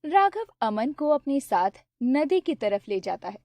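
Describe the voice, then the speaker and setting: Dry, close higher woman narrator. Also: unhurried, no echo. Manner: steady, plain telling. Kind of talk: storybook narration.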